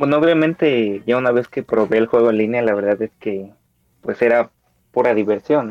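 With ordinary pitch variation, a man speaks in a medium pitch at a moderate pace. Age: 20s. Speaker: competitive gamer. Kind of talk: casual chat.

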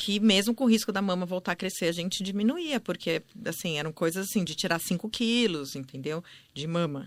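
At a moderate pace, a woman with medium pitch and lively intonation speaks in an unremarkable speaking voice on a very clean recording with a silent background. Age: 40s. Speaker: plastic surgeon. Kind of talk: interview.

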